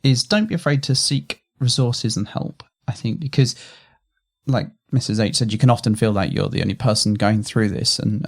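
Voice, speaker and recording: A man co-hosting a podcast, offering earnest, rambling advice full of fillers and restarts. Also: fairly low pitch. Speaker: podcast co-host. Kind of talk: casual podcast chat.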